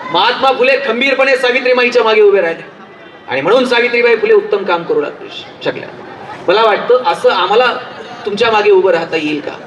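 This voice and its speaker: A man's voice: very high voice, a bit bright, a little hiss or hum. A man with a Marathi accent giving a public speech to a live audience, telling humorous anecdotes in an emphatic storytelling manner. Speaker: motivational speaker. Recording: roomy hall, distant mic, faint crowd.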